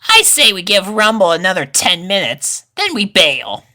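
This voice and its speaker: A man's voice: sits high, huge pitch swings, normal speed, pushed and bright, voice pushed up, full character voice. A man voicing a touchy, defensive young colt pony in a storybook reading, with an indignant, boyish, slangy delivery. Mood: wary, scoffing.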